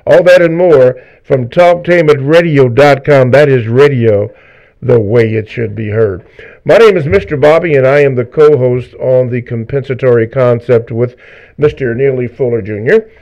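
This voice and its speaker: A man's voice: medium pitch, normal speed, a little mellow. Male radio co-host, slightly muffled sound. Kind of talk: live talk radio hosting and show promos. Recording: slightly dull lo-fi radio audio.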